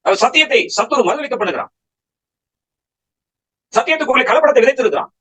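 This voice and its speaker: A man's voice: very high voice, fairly bright tone, breathy edge, rough recording. A man preaching a Bible study sermon, firing rhetorical questions at his listeners and pressing his points with emphatic exhortation.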